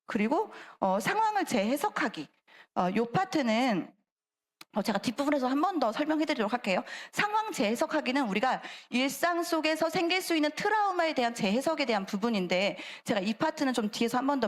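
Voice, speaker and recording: A middle-aged woman giving a seminar talk at a church, chatty and animated, acting out voices in her examples. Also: high-pitched, a little fast. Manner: animated, acts out quoted voices, chatty asides. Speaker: church lecturer. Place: church sanctuary.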